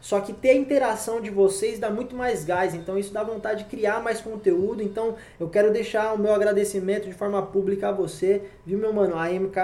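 Over noticeable background noise and audible room echo, a man with a high pitch talks at a fairly quick pace with hardly any pauses. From Brazil, Carapicuíba (São Paulo). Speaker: podcaster and video creator. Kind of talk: casual monologue to audience. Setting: recorded during live stream. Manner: animated.

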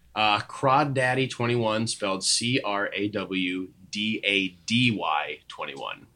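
A man with an American accent speaks very slowly at a fairly low pitch, with ordinary pitch variation and noticeable background noise. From Arizona (Tucson). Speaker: Broadway actor. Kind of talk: casual chat. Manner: hesitant, many fillers.

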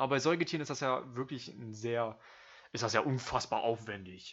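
At a medium pitch and moderate pace, a man speaks with ordinary pitch variation. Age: 20s. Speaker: podcast host. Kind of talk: casual chat. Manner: halting.

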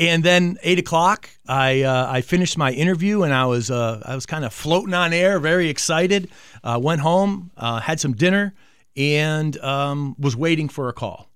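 An ordinary speaking voice with an American accent, moderate pace and ordinary pitch variation, on a very clean recording with a silent background. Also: man, fairly high pitch for a man. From Connecticut, Manchester. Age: 50s. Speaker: school superintendent candidate. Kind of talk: interview. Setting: studio.

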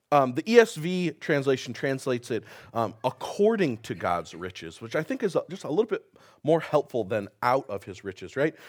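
A man's fairly high voice with vocal fry, very wide pitch swings and big swings in loudness, at a moderate pace, on a very clean recording with a silent background. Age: 30s. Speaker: pastor. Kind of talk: sermon. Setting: church. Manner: casual, filler-heavy delivery.

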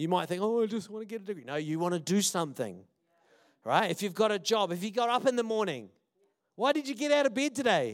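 A man's high voice in a New Zealand accent, very fast, with very wide pitch swings, on a very clean recording with a silent background. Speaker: pastor. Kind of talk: sermon. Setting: church stage with audience. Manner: animated.

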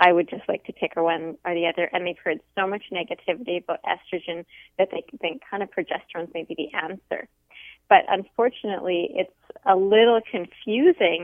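In a normal speaking voice, a woman talks at a moderate pace with a medium pitch and ordinary pitch variation. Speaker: women's health doctor. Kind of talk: expert interview.

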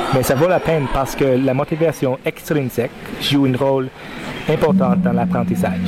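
A man with an English accent and fairly high pitch at a moderate pace, with ordinary pitch variation and very even loudness, plus noticeable background noise. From Quebec, Montreal (anglophone). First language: English (speaking French). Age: 30s. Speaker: musician. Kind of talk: interview. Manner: halting.

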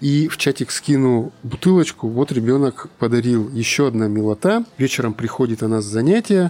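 An unremarkable speaking voice, fairly quick, with ordinary pitch variation. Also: man. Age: 40s. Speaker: podcast co-host. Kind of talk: casual chat.

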